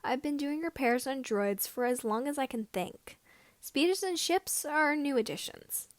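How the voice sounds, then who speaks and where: An eager teenage boy read by a woman, high in pitch and earnest, chattering excitably in a storybook reading. The sound is dry and close. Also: unhurried, dry recording. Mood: chatty. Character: eager, earnest seventeen-year-old male mechanic.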